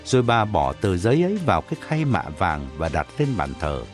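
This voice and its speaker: Lively expressive male storyteller. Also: low voice, fairly quick, soft background music. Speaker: narrator. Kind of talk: audiobook narration.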